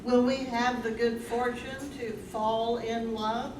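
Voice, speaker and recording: A woman's voice: a little high, flat delivery, takes it slowly. A woman reading the part of a philosophizing chorus member in a staged play reading. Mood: solemn questioning. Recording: echoey room, distant, clearly noisy.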